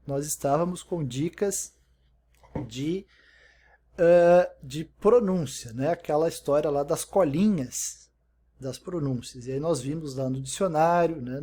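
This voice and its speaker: A man's voice: on the high side, mellow, slightly rough. A man teaching an English lesson in Portuguese, explaining step by step and repeating example words, often checking in with "né?". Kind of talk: recorded online language lesson.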